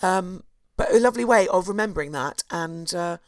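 A hoarse woman, co-hosting a podcast and chattily telling a history story, with asides and restarts. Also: on the low side, animated, a little fast, no echo, studio quality. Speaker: podcast co-host. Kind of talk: casual chat, storytelling history.

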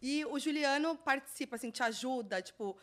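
Young woman host, kinda high voice, eager, keeps going "aham" and giggling. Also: fairly bright tone. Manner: eager, quick affirmations, giggly. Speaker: podcast host. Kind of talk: casual interview chat.

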